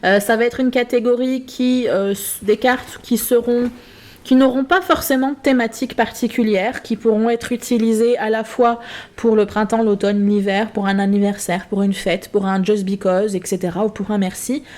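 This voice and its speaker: A woman's voice: on the high side, steady tone, normal speed, a little mellow. Chatty woman, hesitant rambling vlog. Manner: self-mocking. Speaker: craft vlogger. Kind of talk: casual chat to camera. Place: home craft room. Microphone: built-in camera mic.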